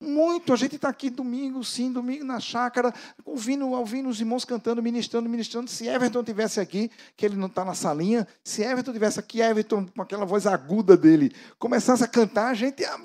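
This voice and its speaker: A Brazilian man preaching a sermon as pastor to a church gathering, emphatic and swinging between loud exhortation and hushed prayer. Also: very high-pitched, quick pace, few pauses.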